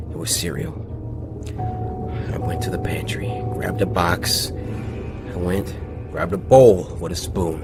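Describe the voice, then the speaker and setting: A man telling a story in a deliberate, dramatic style. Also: sits low. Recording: clear music under the voice. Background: background music.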